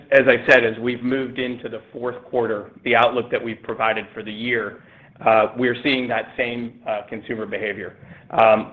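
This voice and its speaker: A man speaking as a company executive answering analysts on an earnings call, in a halting, measured corporate way over a phone line. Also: mid-range voice.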